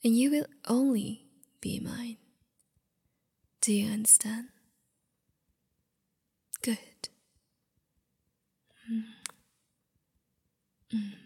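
A woman's voice: a little high, steady tone, very slow, creaky, pauses often, slightly rough. A young woman whispering close to the mic in a girlfriend roleplay, doting and possessive. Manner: mostly whispering, soft and intimate. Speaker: ASMR roleplay performer.

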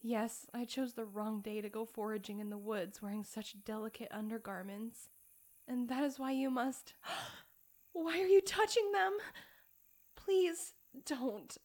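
Woman playing a high, slow-spoken pleading young lady. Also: a little mellow, lightly acted. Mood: embarrassed, polite. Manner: formal, old-fashioned phrasing. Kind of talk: solo audio roleplay.

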